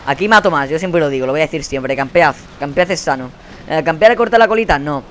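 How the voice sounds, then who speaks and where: Ranting young Spanish gamer, high-pitched. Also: male voice, expressive, fast talker, a bit bright, slight background noise. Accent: Spain Spanish. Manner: swears often and rants at other players. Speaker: gaming channel host. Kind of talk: gameplay commentary. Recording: faint game gunfire behind.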